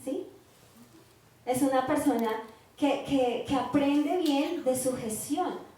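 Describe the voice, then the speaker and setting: A woman pastor with a Colombian accent preaches in a high voice, taking her time over each phrase. She teaches by turning to her congregation again and again for agreement. The sound rings with a heavy church-hall echo. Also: slow, warm tone. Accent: Colombian Spanish. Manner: teaching, asks the congregation "¿cierto?" often. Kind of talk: sermon.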